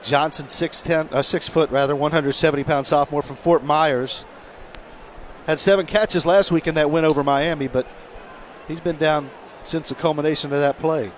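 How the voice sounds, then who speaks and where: A man calls an American football game live from the broadcast booth as its play-by-play announcer, with crowd noise behind him. His voice sits fairly high, his intonation stays fairly even, and he speaks at a moderate pace.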